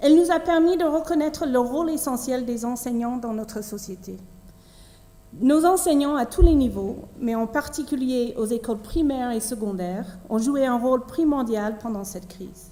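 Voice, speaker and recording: With a non-native accent, a woman talks at a moderate pace in a high voice, her intonation lively and her loudness swinging widely. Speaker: politician. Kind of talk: formal opening speech. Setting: remote video link. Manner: formal.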